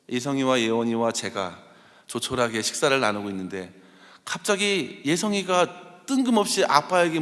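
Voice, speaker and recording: A high-voiced male pastor preaches with a lively, swooping delivery, moving from storytelling to fervent appeals. His voice rings with the long reverb of a church sanctuary. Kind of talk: sermon.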